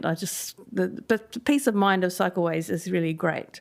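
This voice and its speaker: A woman with a New Zealand accent speaks at a medium pitch with ordinary pitch variation in a very clean recording against a silent background. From New Zealand, Wellington. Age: 60s. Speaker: member of the public making a submission. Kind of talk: public submission to council. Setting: council committee meeting in person. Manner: halting, many fillers.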